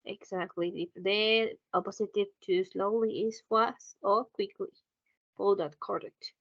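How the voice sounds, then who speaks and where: Slow, patient woman teaching English. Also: mid-range voice, fairly even intonation, dry recording, muffled recording. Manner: patient, slow, corrects and repeats words. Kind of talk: online English lesson.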